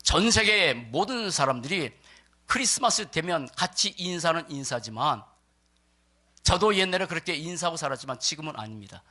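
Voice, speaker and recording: A man preaching to a congregation as a pastor, stressing key words in deliberate phrases and putting questions to his listeners. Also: on the high side, expressive, pushed and bright. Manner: puts rhetorical questions to listeners. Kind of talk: church sermon to a congregation.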